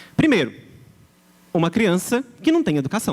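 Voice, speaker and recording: The man's voice is animated and high-pitched. His pitch swings very widely. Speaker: psychologist and lecturer. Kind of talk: lecture. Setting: stage with audience.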